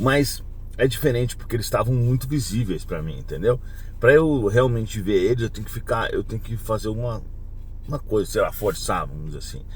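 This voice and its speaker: Talking fairly quickly, a man is heard with audible echo from the room. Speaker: spiritist YouTuber. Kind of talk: casual vlog monologue. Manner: fast.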